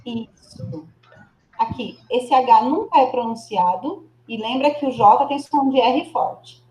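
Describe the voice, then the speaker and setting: Patient teacher in an echoey room. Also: female voice, on the high side, mellow, slight background noise. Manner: patient, encouraging, models words slowly and repeats them. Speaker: Spanish teacher. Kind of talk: online class, coaching a student's pronunciation. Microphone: video call.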